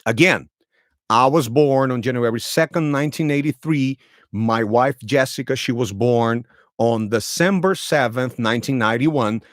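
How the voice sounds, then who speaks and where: A man in his thirties with a Brazilian Portuguese accent, a native Portuguese speaker, tells his own story slowly as an English lesson, repeating and rephrasing each sentence for learners. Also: mid-range voice, dry recording, studio quality. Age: 30s.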